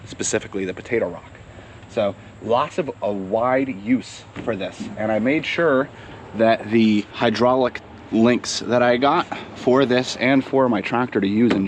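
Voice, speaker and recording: A young man narrates his day in an upbeat, chatty way, his voice congested and a little nasal from a cold. He talks over clear road and outdoor noise, from a truck cab and a farm. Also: medium pitch. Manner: upbeat, chatty, explains as he goes. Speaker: vlog host, stable manager. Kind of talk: casual vlog narration.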